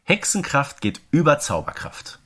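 A man's voice: a little high, huge pitch swings, moderate pace, pushed and bright. A man co-hosting a podcast, chatting casually and giving his opinions on an audio drama series. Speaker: podcast co-host.

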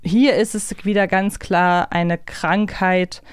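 Woman podcast co-host, smooth resonant voice, dry sound, casual chat, thoughtful, halting phrasing. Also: mid-range voice, fairly even intonation, no echo. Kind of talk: casual chat about an audio drama series.

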